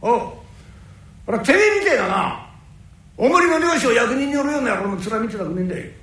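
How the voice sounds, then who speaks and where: A man playing a proud, hot-headed young nori fisherman who speaks in rough downtown slang. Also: very high voice, very animated, quick pace, a bit bright, exaggerated voice. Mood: defiant. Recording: very echoey room.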